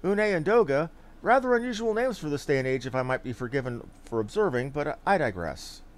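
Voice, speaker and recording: An earnest expedition scholar from a fantasy game, acted out by a man. The voice sits high and moves around a lot, and the phrasing is courtly, wordy and archaic. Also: very animated, a little fast. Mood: polite, suspicious. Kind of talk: fantasy game dialogue read aloud.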